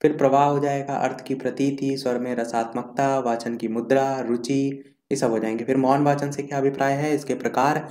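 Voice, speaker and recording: Male teacher, exam revision lecture, lists out points, echoey room, mid-pitched voice. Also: dark tone. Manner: reads out points in a list, repeats key terms. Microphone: screen recording while scrolling notes.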